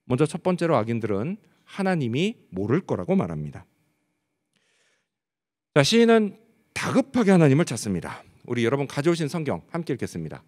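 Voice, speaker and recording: A man's voice: mid-range voice, wildly swooping pitch, brisk, a little mellow. A man preaching a sermon as pastor, asking the congregation rhetorical questions and answering them. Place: church sanctuary. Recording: long church hall reverb.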